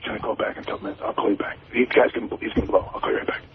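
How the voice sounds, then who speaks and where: A man's voice: very fast, slight background noise. Whispering man on a tinny phone line. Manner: whispering, stammering. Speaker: caller.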